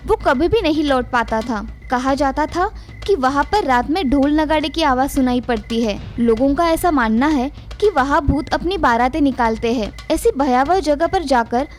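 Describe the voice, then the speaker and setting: Female storyteller, high voice, dramatic scripted narration over soft music.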